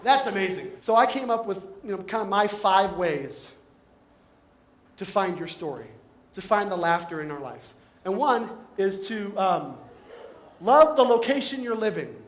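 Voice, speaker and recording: A man giving a humorous motivational talk to a live audience, playful and quick to slip into exaggerated comic voices. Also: high voice, expressive. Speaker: motivational speaker. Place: event hall with live audience. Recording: echoey hall with audience.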